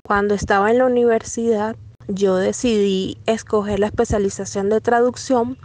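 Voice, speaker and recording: A woman who works as a professional translator, speaking in a measured, earnest way about her work. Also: medium pitch, darkish tone. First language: Spanish. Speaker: professional legal and medical translator. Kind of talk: personal testimony, read.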